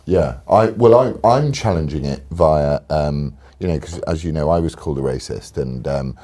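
A man hosting a casual political chat, animated and jokey, with sudden mocking asides. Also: extremely low pitch, normal speed. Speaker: interviewer and podcast host.

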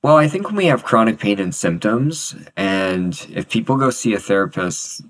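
A man co-hosting a mind-body podcast, joking with his co-host and then explaining ideas calmly. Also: on the low side, moderate pace. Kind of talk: casual podcast chat.

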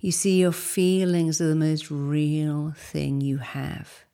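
Guiding listeners through meditation in a calm, unhurried, instructive manner, this woman speaks in a soft, low-pitched voice with a steady tone. Her phrases fade into breathiness as they end.

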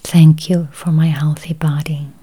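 A woman leading a guided meditation in a soft, breathy near-whisper, with calm, soothing, deliberate phrasing. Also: low-pitched.

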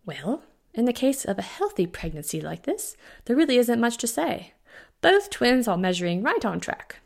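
A woman's voice: on the high side, very animated, moderate pace, vocal fry, voice pushed up, heavily acted. Woman doing a wry older British woman doctor. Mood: wry, brisk. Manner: dry, teasing, upbeat.

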